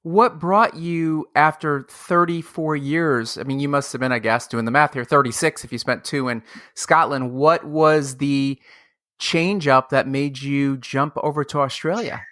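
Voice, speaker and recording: A man hosting a podcast, joking playfully and talking in an animated, upbeat way. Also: on the high side, a little slow. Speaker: podcast host.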